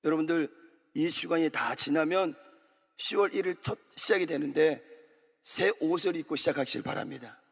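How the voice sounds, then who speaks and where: In a large church sanctuary with long hall reverb, a pastor preaches an early morning sermon, exhorting the congregation and calling for amens and repeated phrases. His voice is a little high, creaky, a bit bright and slightly rough, at a moderate pace.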